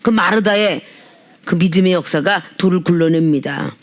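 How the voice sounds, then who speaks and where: A woman's voice: on the low side, moderate pace. A woman pastor preaching an emphatic sermon at a healing service, often prodding listeners with tag questions.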